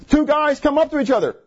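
A man preaching a sermon to his congregation, animated, asking the room questions, with jumps in pitch when he gets excited. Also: dull audio. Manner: jumpy pitch, bursts high when excited. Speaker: pastor. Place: church assembly room.

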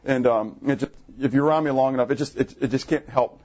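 Husky animated preacher man. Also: fast, muffled recording. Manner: animated, asks the congregation questions; jumpy pitch, bursts high when excited. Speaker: pastor. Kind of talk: sermon. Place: church assembly room.

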